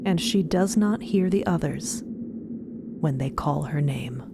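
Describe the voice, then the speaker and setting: A woman's voice: low-pitched, expressive, slow, gravelly, heavy background noise. A woman narrating an audio fiction story in a dramatic style. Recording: loud music behind.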